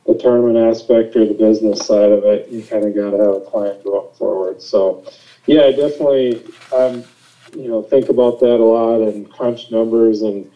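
A young man from Minnesota with a mid-range voice, answering questions in a relaxed, agreeable way. The sound is dull and a bit lo-fi. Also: medium pitch. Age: young adult. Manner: easygoing, agreeable, filler-heavy. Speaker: professional angler guest. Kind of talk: casual interview answers.

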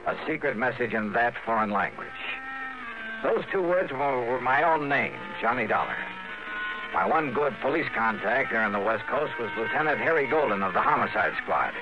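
A tough investigator acted by a man in vintage radio drama style. His gravelly, mid-pitched voice is clipped and decisive, with music behind a muffled old recording. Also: lively intonation, normal speed, natural voice. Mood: terse narrating. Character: tough, urgent male investigator hero of a radio serial. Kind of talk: 1950s radio drama acting and narration.

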